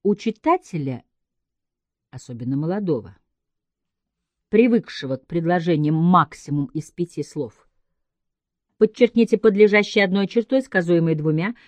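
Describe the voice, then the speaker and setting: A woman with a fairly low voice reads a literary essay in a very lively, melodic delivery. Her phrasing is measured and emphatic, set off by deliberate pauses. The recording is dry and close, with no room sound. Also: dry recording. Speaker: writer giving a literary essay. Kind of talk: scripted literary essay read aloud.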